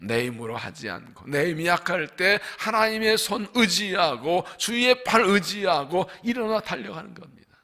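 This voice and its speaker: A man preaching as senior pastor at a dawn revival service in a church, emphatic, asking the congregation questions and slowly stressing scripture lines. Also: high voice, animated, pushed and bright. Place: church sanctuary.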